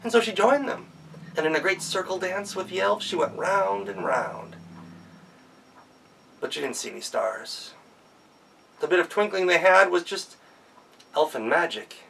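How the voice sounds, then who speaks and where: Male storyteller, gentle rhythmic delivery, gravelly voice, recorded from afar. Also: high-pitched, animated, distant mic, slight background noise, poor audio. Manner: gentle, rhythmic telling with pauses. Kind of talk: folktale storytelling.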